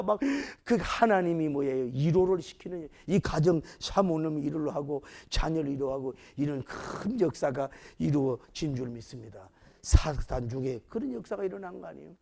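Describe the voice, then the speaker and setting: A male pastor preaching a sermon, acting out scenes with sudden shouted lines. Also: fairly high pitch, normal speed, creaky.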